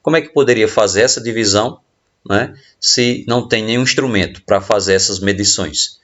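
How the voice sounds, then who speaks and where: A man's voice: fairly low pitch, fairly quick, a bit bright. A man with a Brazilian Portuguese accent, a teacher walking students through riddles patiently, often checking they follow along. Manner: patient, explanatory, frequent tag questions. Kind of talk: recorded lesson explaining riddles. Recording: dull lo-fi audio.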